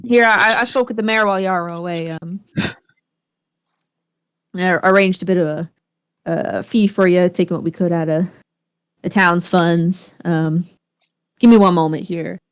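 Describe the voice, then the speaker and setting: A woman voicing a middle-aged male town official in a tabletop game, folksy and grateful, with a Southern US accent and a hesitant, drawn-out delivery. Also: on the low side, steady tone, clear, resonant tone, natural voice. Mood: grateful, relieved.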